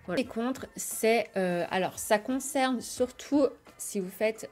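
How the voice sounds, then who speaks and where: A woman's voice: fairly high pitch, slow pace, a little mellow. Chatty French woman vlogger voice-over. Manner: chatty, many fillers and restarts. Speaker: vlogger reviewing restaurants. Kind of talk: voice-over review, partly read descriptions.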